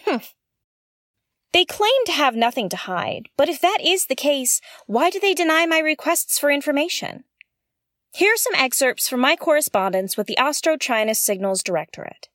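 A woman's voice: sits high, lively intonation, moderate pace, fairly bright tone, no echo, studio quality. A woman playing an earnest, intense investigator who hosts a conspiracy podcast in an audio drama. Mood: suspicious. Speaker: podcast host. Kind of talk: scripted audio drama narration.

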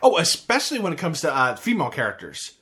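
This co-host talks fast, his high-ish, slightly bright voice swooping wildly in pitch. An American man on a video game podcast, he rambles casually, constantly restarting and dropping fillers.

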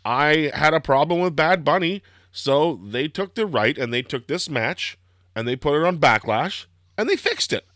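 Hoarse, rambling man hosting a podcast. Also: fairly high pitch, moderate pace, no room sound, clean studio sound. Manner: rambling, filler-heavy, excitable. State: slightly hoarse, throaty. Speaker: podcast host. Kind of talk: casual wrestling podcast chat.

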